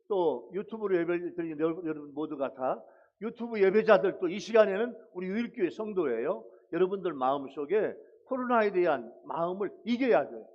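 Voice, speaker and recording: Male pastor, high voice, exhorting sermon delivery with repeated phrases, dull recording. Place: church sanctuary.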